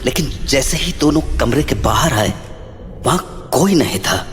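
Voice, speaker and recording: A man narrating a horror story in a measured, dramatic way. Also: medium pitch, expressive, music in the background. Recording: long reverb.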